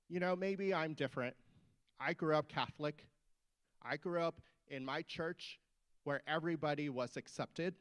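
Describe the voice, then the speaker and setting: A male doctor speaks at a rally in a capitol building, his voice sitting a little above the usual male range. He is emphatic and stirs up the crowd. The delivery is that of a speech to an assembled audience. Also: on the high side. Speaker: physician speaker.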